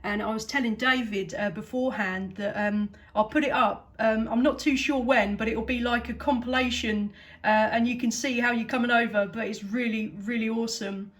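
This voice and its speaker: A woman's voice: fairly high pitch, fairly even intonation, moderate pace. A woman operating a CB radio, chatting casually and enthusiastically with other operators. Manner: enthusiastic, appreciative. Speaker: CB radio operator, channel host. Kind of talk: casual radio contact chat.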